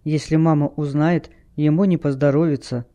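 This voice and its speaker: A male audiobook narrator with a high voice and a dark, mellow tone. He reads steadily and evenly, in a storyteller's manner. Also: fairly even intonation, normal speed. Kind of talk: scripted narration.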